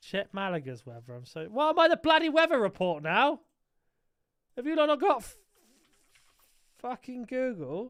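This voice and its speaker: A man mumbles at an extremely high pitch, with very wide pitch swings and big swings in loudness. Long pauses come often. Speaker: gaming streamer. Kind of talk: live stream chat. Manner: fast; mumbling.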